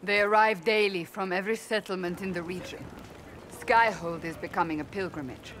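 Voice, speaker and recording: A woman's voice: lowish voice, normal speed, a bit bright, slight background noise, lightly acted. A woman playing a stern, devout warrior adviser in a fantasy game, speaking in a solemn, formal, earnest way. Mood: grave.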